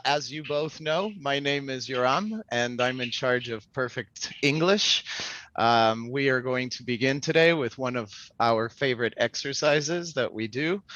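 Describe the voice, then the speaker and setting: A man from Mexico hosting a spoken English class as a language trainer, giving deliberate, instructive prompts. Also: medium pitch, sharp tone, dry recording, lo-fi sound. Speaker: language trainer, podcast host.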